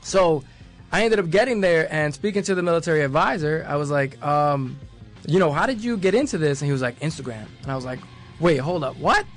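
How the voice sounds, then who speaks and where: Fast-talking easygoing man guest. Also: fairly high pitch, expressive, soft background music. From New York. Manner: rambling and easygoing, quick to laugh. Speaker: radio guest. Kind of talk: casual interview talk. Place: radio studio. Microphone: studio microphone.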